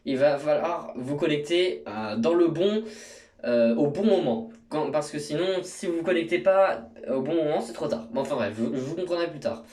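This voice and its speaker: A man's voice: fairly high pitch, a little mellow. A young man walking through a screen tutorial in a casual, rambling way, full of fillers and restarts. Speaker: YouTuber. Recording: echoey room, mic at a distance.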